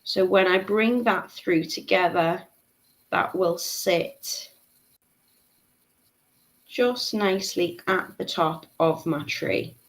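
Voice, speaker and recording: A woman's voice: on the low side, slow, long pauses, low-quality recording. Woman in her 30s doing a live beading tutorial, chatty, laughs a lot, reads out comments. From Liverpool, England.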